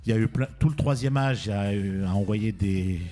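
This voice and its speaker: A male radio presenter talks casually in a mellow voice. He teases, wanders and corrects himself as he goes, with light music underneath. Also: fairly low pitch, normal speed. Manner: rambling, self-correcting, teasing. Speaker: radio host.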